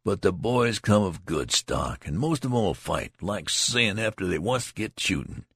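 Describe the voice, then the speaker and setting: A man's voice: low-pitched, animated, normal speed, creaky, slightly rough, no room sound, clean studio sound, exaggerated voice. A man voicing a tall, boastful young soldier who talks in a folksy, lecturing way. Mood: knowing. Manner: folksy rural talk, lecturing.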